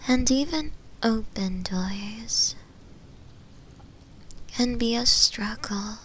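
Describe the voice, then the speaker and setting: A woman voicing a possessive female shadow demon in a breathy, hesitant, musing whisper for an ASMR roleplay. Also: fairly bright tone. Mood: anxious, questioning. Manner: slow, hesitant, musing, with pauses. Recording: close whisper with low rumbling noise.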